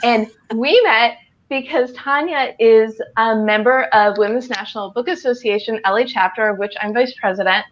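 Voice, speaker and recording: A woman's voice: a little high, normal speed, highs cut off. A woman hosting a live video chat, talking in an upbeat, chatty, enthusiastic way. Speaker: host. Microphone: video call.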